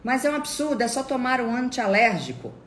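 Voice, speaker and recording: Woman putting on a shrill, pushy acquaintance. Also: very animated, brisk, echoey room, a little hiss or hum. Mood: indignant insisting. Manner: shrill, exasperated pleading. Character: pushy, indignant woman acquaintance who keeps insisting.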